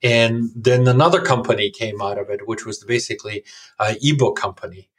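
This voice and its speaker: A man's voice: lowish voice, fairly quick, a bit bright, breathy edge. A middle-aged man from Serbia, a company founder, telling his life story casually in an interview.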